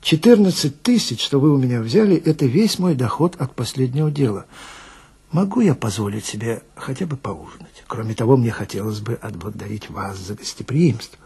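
A man's voice: mid-range voice, animated, brisk, gravelly, darkish tone, breathy edge, exaggerated voice. A man playing a prim, middle-aged swindler in a radio story, speaking with polite, pleading dignity and fussy care. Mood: polite, resigned.

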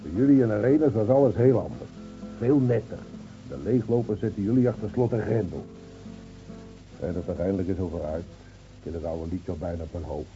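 An actor playing a placid, wry, world-weary village gendarme reasoning soothingly in a radio play. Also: male voice, low voice, brisk, over music. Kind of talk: Dutch radio play acting. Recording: dull, muffled old radio recording.

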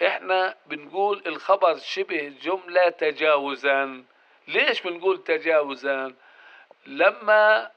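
A man teaches grammar, working through each point in order. He puts questions to the class and answers them himself. The recording sounds dull and lo-fi. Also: high voice. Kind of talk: explanatory grammar lesson.

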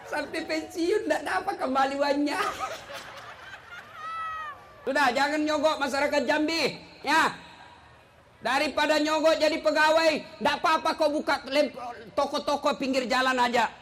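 A middle-aged man preaching a humorous sermon, teasing the crowd and breaking into shouts. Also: very high-pitched, fairly even intonation, measured pace. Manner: joking, teasing, storytelling, bursts of shouting.

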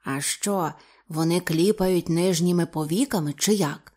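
A woman's voice: on the low side, unhurried. A woman voicing a hot-tempered male sea captain who barks short commands. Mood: coaxing. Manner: gruff, short commands, softening to coaxing.

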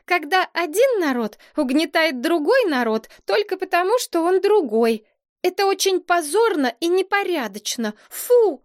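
A woman doing a bossy shrill girl princess. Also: sing-song, unhurried, no echo, clean studio sound, full character voice. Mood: scolding. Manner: scolding, high-pitched, dramatic. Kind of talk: audiobook character voice.

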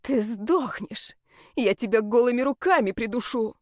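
A woman voicing a fierce young dragoness in an audiobook, shouting shrilly and close to tears. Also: high-pitched, measured pace, no echo, pitched above the performer's own voice. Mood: furious. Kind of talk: audiobook character voice.

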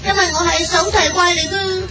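A woman's voice: very high-pitched, flat delivery, normal speed. A woman doing a cheeky phone-stealing monster. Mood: taunting. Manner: taunting, repeats the same few stock lines. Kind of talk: comedy radio drama.

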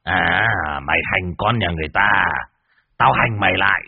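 A man's voice: low-pitched, moderate pace, gravelly, breathy edge, no echo, narrow, tinny audio, exaggerated voice. Gloating spiteful old exorcist, a man voicing him. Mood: gloating taunts. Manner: taunting, gloating.

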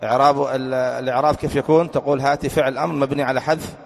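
A man's voice: medium pitch, flat delivery, racing, gravelly. A man, a sheikh, teaching an Arabic grammar class, repeating each point and quizzing his students with questions. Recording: long hall reverb.

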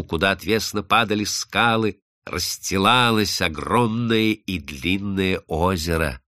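A man narrating a classic detective story in an expressive, dramatic storytelling manner. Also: lowish voice, no echo, clean studio sound. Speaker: audiobook narrator. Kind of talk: scripted literary narration.

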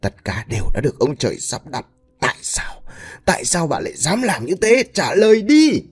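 A man's voice: fairly high pitch, sing-song, a little fast, voice pushed up. A man doing a furious, bitter husband. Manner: shouting, accusing. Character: furious middle-aged husband, stern and bitter.

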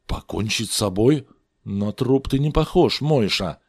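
A man voicing a calm, earnest male friend in a measured tone in a storybook reading. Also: medium pitch, slightly rough, no room sound, clean studio sound.

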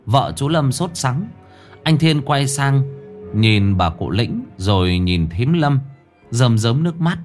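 A man narrating a ghost story in a dramatic, expressive storytelling manner. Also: mid-range voice, slow pace, soft background music.

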